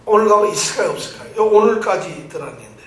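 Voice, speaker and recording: A male pastor preaching an animated sermon, quizzing his congregation and repeating key phrases for them to answer. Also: sits high, very fast. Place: church sanctuary. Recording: echoey church hall from a distant mic.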